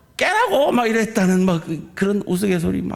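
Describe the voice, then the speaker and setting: This man's voice carries clear background noise behind it. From South Korea, Gyeongsang region. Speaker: pastor. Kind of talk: sermon. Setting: church.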